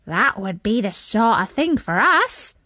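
A woman's voice: medium pitch, big pitch swings, unhurried, bright, forceful tone, dry recording, studio quality, exaggerated voice. A woman voicing a curious male cockerel, one of the animal musicians in a storybook. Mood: keen. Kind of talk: storybook character voice.

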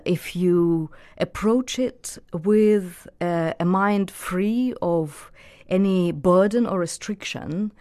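Woman in her 40s, lowish voice, thoughtful, laughs a bit. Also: darkish tone. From Belarus. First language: Russian. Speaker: guest poet. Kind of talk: podcast interview.

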